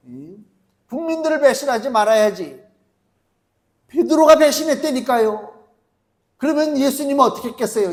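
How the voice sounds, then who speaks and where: A male pastor preaching a sermon in an animated way, full of rhetorical questions and acted-out quoted voices. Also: high voice.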